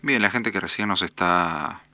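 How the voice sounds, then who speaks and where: Deep, bright-toned male radio host. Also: moderate pace. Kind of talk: radio interview.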